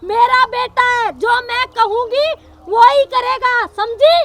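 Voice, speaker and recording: A woman's voice: extremely high pitch, slow pace, a bit bright, slight background noise, full character voice. A woman playing a haughty older mother-in-law, the village headwoman, who scolds and boasts. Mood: domineering.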